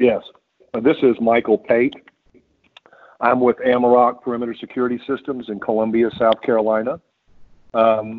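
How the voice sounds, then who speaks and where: The setting behind him is quiet. This man speaks at a moderate speed. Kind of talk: public meeting statement. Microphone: phone line.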